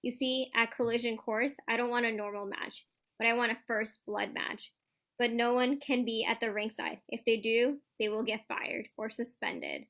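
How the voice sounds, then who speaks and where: A woman's voice: a little high, normal speed, fairly bright tone. A woman reading the part of a boastful, trash-talking champion pro wrestler in a staged promo reading, stumbling now and then over the script. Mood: boastful, challenging.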